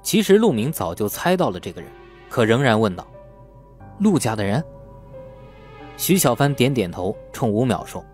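A man's voice: mid-range voice, sing-song, fairly quick, darkish tone, soft background music. A man narrating a novel in a scripted audiobook style.

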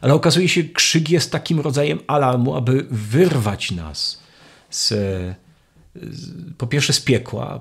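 A man's voice: mid-range voice, gravelly, husky. A man giving a spoken catechesis, reflective and searching for words, often restarting his phrases. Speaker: lecturer on faith.

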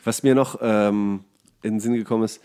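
A man's voice: on the low side, steady tone, normal speed, warm tone, clear, resonant tone. A man co-hosts a podcast in a loose, conversational way. He rants with ironic exaggeration and slangy, sometimes sweary phrasing, keeping a casual comic tone. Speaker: podcast host. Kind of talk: casual comedic chat.

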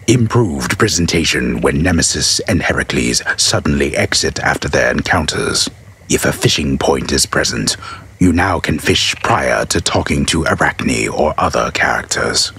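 Very deep, husky man reading theatrically. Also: fairly bright tone. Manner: theatrical, solemn, drawn-out delivery. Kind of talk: dramatic reading of scripted patch notes.

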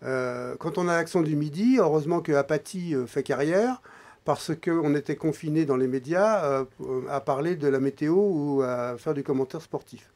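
A man in his forties, a guest in a radio studio, explaining at a measured, hesitant pace and often trailing off quietly. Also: fairly high pitch. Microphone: studio microphone, wearing headphones.

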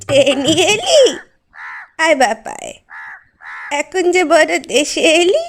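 A woman's voice: high voice, wildly swooping pitch, full character voice. A woman playing a doddering, hard-of-hearing old village aunt, querulous and plaintive, in a comic audio drama. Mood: welcoming. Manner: querulous, slow, wailing. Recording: music behind the voice.

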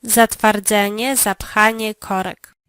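A woman answering drill prompts in a language lesson, speaking slowly and clearly. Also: mid-range voice, fairly even intonation, a bit bright, dry recording.

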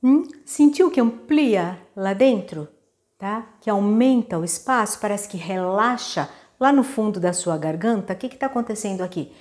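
A woman's voice: mid-range voice, expressive, normal speed, a little mellow. A Brazilian woman singing teacher giving a patient, step-by-step lesson on breathing, often checking in with her students. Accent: Brazilian Portuguese. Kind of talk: vocal lesson with demonstrations.

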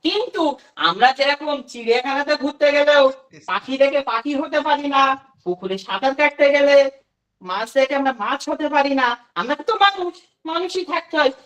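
High-voiced woman teaching a demo class. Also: expressive, a little fast, a bit bright, far from the mic, poor audio. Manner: asks questions and answers them herself. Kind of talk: demo lesson for children.

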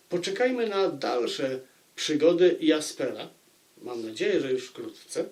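Male book-review host, medium pitch, very unhurried delivery with dramatic pauses and emphatic repetition. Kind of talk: informal spoken book review to viewers.

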